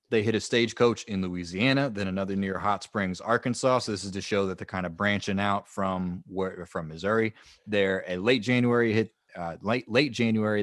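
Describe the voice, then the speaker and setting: A lower-voiced man hosts a history podcast in a dry, close-miked sound. He walks through dates and events from his notes in a casual way, swearing freely as he goes. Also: no room sound. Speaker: podcast co-host.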